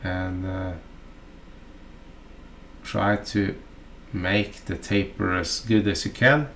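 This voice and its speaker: A man from Norway with a Norwegian accent, narrating a fly-tying tutorial in a halting, chatty way full of fillers and asides. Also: low voice, fairly even intonation, vocal fry, fairly bright tone, slight background noise.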